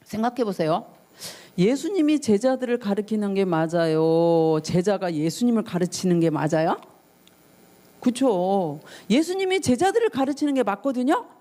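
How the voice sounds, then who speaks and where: A woman's voice: medium pitch, big pitch swings, normal speed, warm tone. A woman pastor giving a youth sermon. She reads scripture, then explains it in a conversational way and asks her listeners questions.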